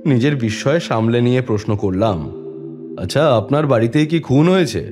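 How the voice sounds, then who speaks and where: An actor playing a calm, authoritative police inspector who narrates his own case in a dramatised detective story, measured and composed. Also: medium pitch, close to an everyday voice. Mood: probing. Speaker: story reader and lead actor. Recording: long reverb, music bed behind.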